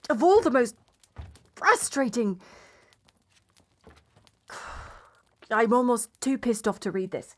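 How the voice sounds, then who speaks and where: A woman's voice: a little high, big pitch swings, moderate pace. A woman playing a proud, blunt betrothed princess in a medieval romance audio roleplay, sardonic and exasperated in manner. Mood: frustrated, angry. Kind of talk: romance audio roleplay acting, addressed to listener.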